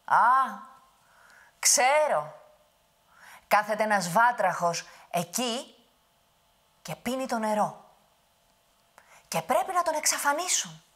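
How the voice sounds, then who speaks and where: A woman voicing a grumpy, angry male giant, with a husky voice. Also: very animated, pauses often. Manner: loud, shouting, high-pitched.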